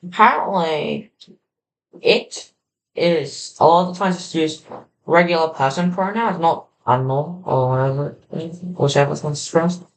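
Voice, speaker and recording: A livestreamer casually reacting to a video, talking in halting stretches and thinking aloud. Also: medium pitch, slight background noise, poor audio. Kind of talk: casual live reaction chat.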